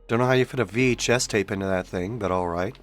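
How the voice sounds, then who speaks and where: A man's voice: lowish voice, fast talker, faint music behind. Wry, worn-out man streaming a game. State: sick, tired voice after hours of streaming. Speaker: streamer and voice actor. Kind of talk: casual game commentary.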